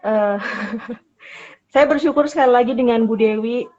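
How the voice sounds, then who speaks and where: Higher-voiced woman on dull lo-fi call. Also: darkish tone. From Papua, Indonesia. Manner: halting, mixes in English words. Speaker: interview guest. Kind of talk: casual online interview.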